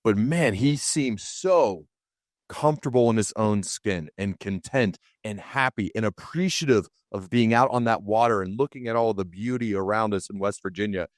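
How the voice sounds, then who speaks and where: A man's voice: lowish voice, normal speed, no echo, clean studio sound. A man hosting a podcast interview in a casual, chatty style.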